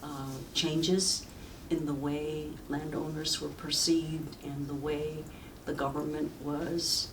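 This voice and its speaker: In her seventies and from rural southern China, this woman's first language is the Sayep village dialect of Chinese. For an oral history interview she reminisces haltingly and reflectively in a low, level voice, captured on a distant mic with faint background noise.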